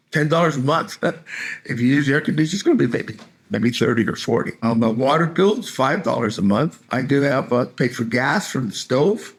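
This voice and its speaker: An older man from California speaking in a relaxed, chatty way. He tells everyday stories with easy humor, laughing along now and then. His pitch sits in an ordinary middle range. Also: slightly rough. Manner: easygoing, chatty, laughs while telling stories. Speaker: interviewee, retiree in Mexico. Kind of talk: casual interview chat.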